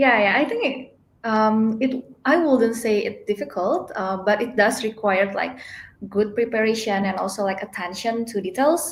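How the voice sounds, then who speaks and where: A woman speaks in a somewhat breathy voice at a fairly high pitch. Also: ordinary pitch variation, moderate pace. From Indonesia. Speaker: postgraduate marketing student. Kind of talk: panel discussion.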